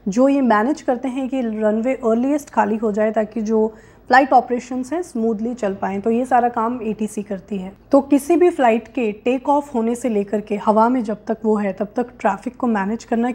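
Young woman, fairly high pitch, informative explainer delivery, English terms mixed in. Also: fairly even intonation, moderate pace, warm tone. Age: young adult. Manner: explanatory, direct address to viewers. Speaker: host of career guidance videos. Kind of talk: explainer to camera, mixing Hindi with English terms. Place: small indoor room with curtains, seated.

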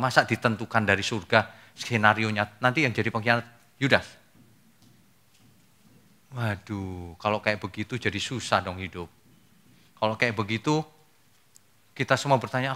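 A man's voice: fairly low pitch, bright, forceful tone. A male pastor giving a teaching sermon, conversational and emphatic, often asking his listeners rhetorical questions. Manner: colloquial and conversational.

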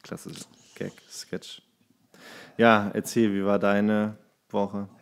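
A man's voice: lowish voice, monotone, takes it slowly, clear, resonant tone. A man co-hosting a podcast in casual comedic chat, joking and slipping into acted-out little dialogues. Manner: joking, acts out quoted dialogues. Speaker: podcast co-host.

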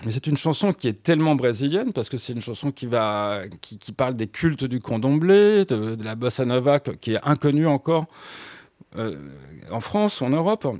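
A man speaking as a radio guest, explaining music history in a halting way, with frequent restarts and fillers. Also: mid-range voice, lively intonation, a little mellow, dry recording, clean studio sound. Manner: hesitant, many restarts and fillers.

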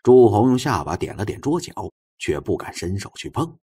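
A husky, low-voiced male narrator reads a suspense audiobook at normal speed, bringing it to life with animated expression and broad swings in pitch.

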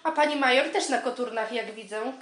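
An actress plays an eager young female army recruit in a radio comedy. Her high voice gives brisk, obedient replies with a straight face. The home recording sounds clearly roomy. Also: a bit bright, close to an everyday voice. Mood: eager, deadpan.

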